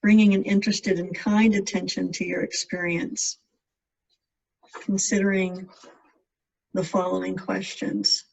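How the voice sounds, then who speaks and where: A meditation guide giving gentle, measured instructions in spaced-out phrases. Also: medium pitch, level tone, gravelly. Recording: distant mic, dull lo-fi sound.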